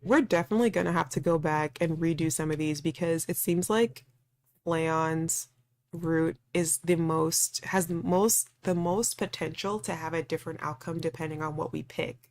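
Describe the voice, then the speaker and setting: A woman with a slightly low voice plays a visual novel for viewers. She reads the text aloud and breaks off into casual, animated commentary. Her reactions come across as exasperated. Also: moderate pace. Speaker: streamer playing and reading aloud a visual novel. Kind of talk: let's play reading with casual commentary.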